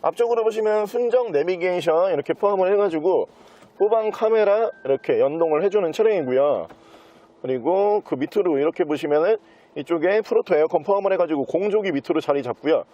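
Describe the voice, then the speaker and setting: Man, high voice, smooth used-car salesman patter, walkthrough presentation, soft mellow timbre, dull muffled recording. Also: animated, fairly quick.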